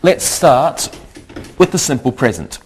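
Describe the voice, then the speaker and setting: A man's voice: medium pitch, very animated, unhurried, breathy edge. A man hosting a scripted English lesson, speaking carefully and repeating words for learners. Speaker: English teacher and host.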